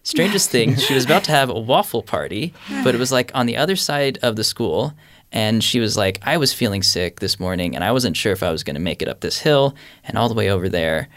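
A man's voice: medium pitch, animated, fairly quick, a bit bright, no echo, clean studio sound. A young man telling a personal faith story in an earnest, rambling way with many fillers. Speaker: panel guest. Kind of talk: casual faith discussion.

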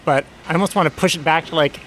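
In a rough recording with a little hiss or hum, a man with a fairly bright, higher-pitched voice talks fast. He lives in a Quaker community house and reflects thoughtfully and earnestly in a conversational interview, often stopping to rephrase and correct himself.

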